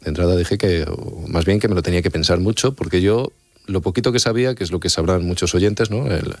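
A man from Extremadura with a very low voice, talking quickly as an interviewed author. He lays out his points earnestly and keeps checking in with the listener. The sound is dry and close. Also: dry recording. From Extremadura, Spain. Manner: explanatory, earnest, often checks in with "¿vale?". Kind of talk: radio-style interview answers.

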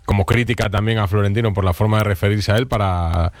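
A man hosting a casual sports talk show, talking in a relaxed, drawn-out way. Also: lowish voice, no echo. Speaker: sports radio host.

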